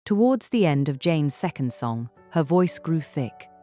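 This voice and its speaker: A woman reading literary narration in a measured, formal way as an audiobook narrator. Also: low-pitched, big pitch swings, warm tone, no room sound, soft background music.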